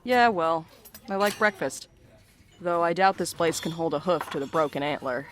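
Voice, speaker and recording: A woman's voice: lowish voice, normal speed, fairly bright tone, slight background noise, close to an everyday voice. A woman playing a weary, sardonic mail carrier in a naturalistic audio drama, with a dry, guarded delivery. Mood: dry, sarcastic.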